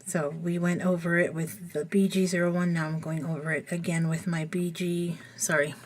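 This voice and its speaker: A woman with a somewhat low, slightly froggy voice chats casually through her coloring technique, thinking aloud as she works. Her delivery is flat, with the easy, unhurried feel of a hobby tutorial voice-over.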